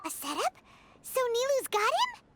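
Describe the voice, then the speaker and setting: A tiny, chirpy female companion creature with a very high voice that swoops wildly up and down. She frets and gushes in a game cutscene, over clearly audible background noise. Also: a little slow, heavily acted. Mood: curious. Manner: excitable, fretful, talks about herself in third person.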